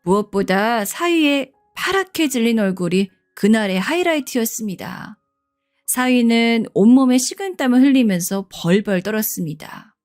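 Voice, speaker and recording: A woman reading a first-person radio story in a steady scripted narration, over faint background music. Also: on the high side, moderate pace.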